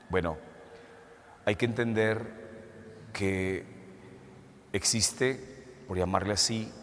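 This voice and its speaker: A man, a Catholic priest, reading the gospel and preaching a homily in a church, his voice carrying a cathedral echo. He speaks in a measured way and poses rhetorical questions. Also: fairly low pitch. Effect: cathedral echo, long church reverb. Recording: long church reverb, faint hiss.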